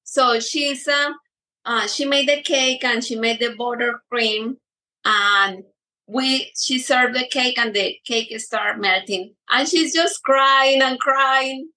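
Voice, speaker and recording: A woman's voice: sits high, slow pace, sharp tone, poor audio. A middle-aged woman guest speaking in a casual interview, hesitant with many fillers and restarts. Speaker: guest baker.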